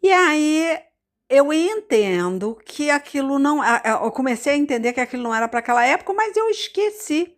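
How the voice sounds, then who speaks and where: A woman's voice: high voice, big pitch swings, a little fast. A woman missionary from Rio de Janeiro with a Carioca accent, giving an informal sermon mixed with personal testimony. She talks in a conversational way, repeats words and turns to the congregation with frequent asides. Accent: Carioca Brazilian Portuguese. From Rio de Janeiro, Brazil. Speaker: missionary preacher.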